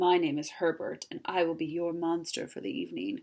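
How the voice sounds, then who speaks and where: A put-on character voice at middle pitch and a fairly quick pace. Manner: polite, formal.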